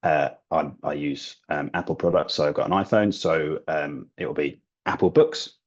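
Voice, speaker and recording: Deep husky man, lo-fi audio. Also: normal speed. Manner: relaxed, laughing, many restarts and ums. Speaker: guest, language learning YouTuber. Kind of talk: casual interview chat.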